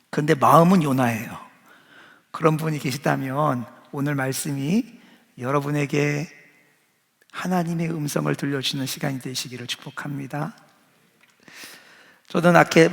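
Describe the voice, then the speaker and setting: A man's voice: fairly high pitch, creaky. A man preaching a sermon as a pastor, speaking conversationally and putting questions to his listeners. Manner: conversational, asks the audience questions. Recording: long church-hall reverb.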